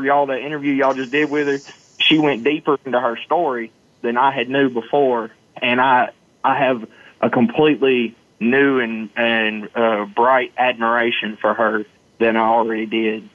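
A man's voice: mid-range voice, fairly even intonation, moderate pace, fairly bright tone, no room sound. Southern man on a phone-like line. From Arkansas, United States. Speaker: guest, motivational storyteller. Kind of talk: personal storytelling in an interview. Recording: muffled phone-like line, dry.

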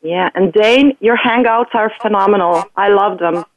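A woman's voice: mid-range voice, moderate pace, no room sound. A woman from Slovenia calling in to a talk show, chatting and telling a short story. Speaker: caller. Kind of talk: casual call-in chat. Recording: dry tinny phone line.

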